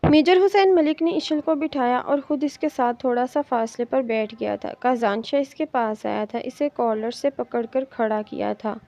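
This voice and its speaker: A woman reading a romance novel aloud in steady audiobook narration. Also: a little high, few pauses. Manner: steady storytelling. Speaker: novel reader. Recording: dull lo-fi recording.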